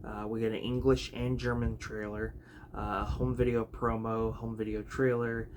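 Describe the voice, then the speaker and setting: A man chatting casually about his video collection, rambling with many fillers and restarts, his voice a bit raspy. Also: fairly low pitch, flat delivery, normal speed, darkish tone. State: raspy, clearing throat. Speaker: home video collector vlogger. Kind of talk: casual unscripted chat. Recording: noticeable background noise.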